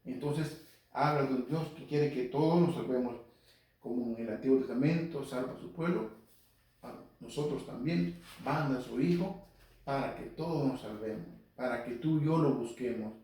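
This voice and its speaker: A lay Catholic preacher gives Spanish-language Bible teaching to a congregation, quoting scripture and addressing listeners by name. His voice is medium in pitch, mellow, and delivered at a normal speed. The recording is distant and very echoey, as if captured across a large hall.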